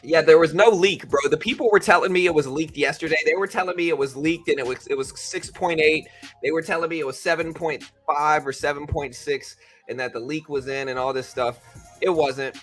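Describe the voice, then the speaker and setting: A man's voice: on the high side, fairly even intonation, a little fast, a bit bright, faint music behind. Tired, laid-back man hosting a stream. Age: adult with a daughter. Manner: laid-back, rambling, says bro and you know a lot. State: just woke up, tired, voice deeper than usual. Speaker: livestream trading host. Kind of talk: casual livestream chat. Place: home in Texas.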